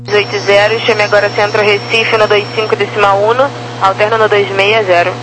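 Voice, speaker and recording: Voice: medium pitch, little pitch movement, a little fast. A Brazilian air traffic controller giving procedural instructions over aviation radio. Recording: noisy radio with mains hum.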